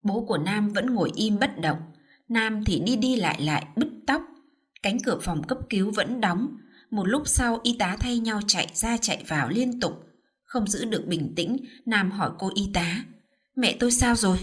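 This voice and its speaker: Breathy woman narrating a dramatic story. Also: medium pitch, lively intonation, moderate pace. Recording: faint background music.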